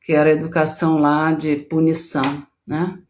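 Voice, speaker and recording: A middle-aged Brazilian woman therapist with a Brazilian Portuguese accent, hosting a live stream with casual, warm, teacherly talk. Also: sits low, completely flat delivery, normal speed. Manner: warm, chatty, teacherly, many tag questions.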